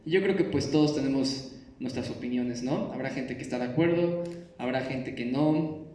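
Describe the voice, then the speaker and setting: Relaxed man, echoey hall. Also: mid-range voice, moderate pace. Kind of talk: press conference answer. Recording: echoey room, from a distance.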